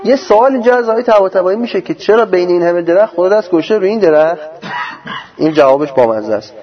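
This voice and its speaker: A man teaching a religious lecture on scripture, explaining verses slowly and arguing with a sarcastic edge. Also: sits high, animated. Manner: sarcastic, argumentative. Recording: dull lo-fi recording.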